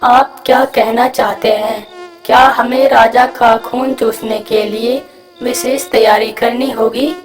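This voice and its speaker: A woman's voice: on the high side, steady tone, slow, roomy sound, distant mic, soft background music, poor audio. A woman voicing a cocky drawling mosquito. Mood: sly. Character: cheeky, brash male mosquito. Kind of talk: cartoon voice acting.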